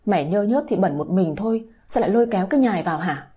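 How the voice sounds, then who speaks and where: A woman's voice: medium pitch, lively intonation, fast talker, mellow, husky. A woman voicing an older village aunt who scolds harshly. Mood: furious. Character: older village aunt, sharp-tongued and furious.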